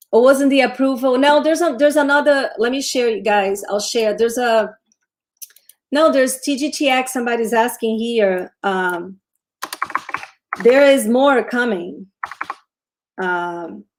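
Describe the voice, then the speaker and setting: A woman's voice: on the high side, a little mellow, slight background noise, low-quality recording. Brazilian-accented woman chatting about stocks. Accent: Brazilian Portuguese. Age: 40s. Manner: chatty, restarts often, answers viewer questions. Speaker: show host, trader. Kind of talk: livestream stock commentary.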